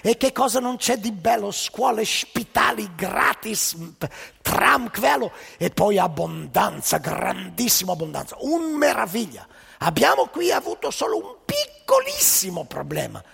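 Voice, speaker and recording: A man's voice: high voice, big pitch swings, unhurried, vocal fry, a bit bright, breathy edge, big-room sound, soft background music, full character voice. A man voicing a zealous young Jewish communist writing home in broken Italian. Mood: exalted. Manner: exalted, broken Italian, sing-song.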